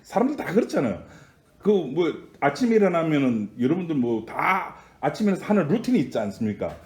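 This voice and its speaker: A man preaching a sermon, his fairly high voice swinging widely between soft asides and forceful emphasis. He keeps putting questions to the congregation. The sound is roomy and echoey, like a church hall. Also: sing-song, a little fast. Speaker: pastor.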